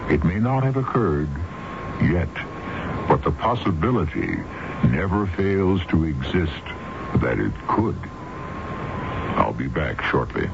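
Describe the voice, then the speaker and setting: Male radio host, very low and highly varied pitch, deliberate dramatic delivery, muffled vintage sound. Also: very animated, vocal fry, noisy background. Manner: theatrical, deliberate. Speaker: host and announcer. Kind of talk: dramatic scripted radio narration. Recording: muffled 1970s radio recording.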